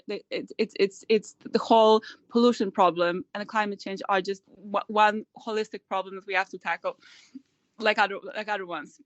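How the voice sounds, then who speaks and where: A woman's voice: medium pitch, dry recording. A woman company founder answering interview questions in a rush, with many repeated words and restarts. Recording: dry, dull lo-fi call audio.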